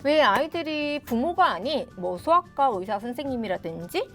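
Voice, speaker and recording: A middle-aged woman hosts a parenting talk, speaking straight to viewers in a friendly, explaining manner. Her voice sits a little high. Soft background music plays under her. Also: big pitch swings, normal speed. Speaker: parenting channel host. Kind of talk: advice talk to camera.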